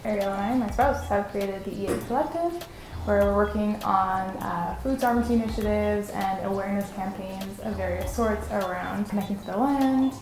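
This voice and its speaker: A woman's voice: medium pitch, moderate pace, music in the background. Reflective woman in an echoey room. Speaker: collective co-founder. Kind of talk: documentary interview.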